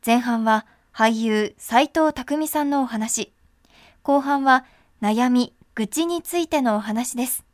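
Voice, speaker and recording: Female announcer for scripted programme intros, higher register, close dry recording. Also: slow, dry recording.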